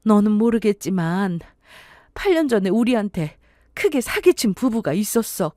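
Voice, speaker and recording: A woman's voice: mid-range voice, big pitch swings, normal speed, dark tone, no room sound, lightly acted. Brief: woman playing a serious aunt, firm and grave, dry mic. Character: older aunt delivering shocking news.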